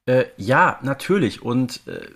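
A man's voice: mid-range voice, expressive, measured pace, fairly bright tone. A man co-hosting a casual podcast, speaking colloquially and emphatically, often adding little tag questions. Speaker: podcast co-host.

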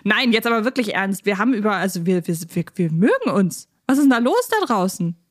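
A woman's voice: medium pitch, sing-song, brisk, no room sound, clean studio sound. A talkative woman co-hosting a podcast in a casual, teasing chat style. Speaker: podcast co-host.

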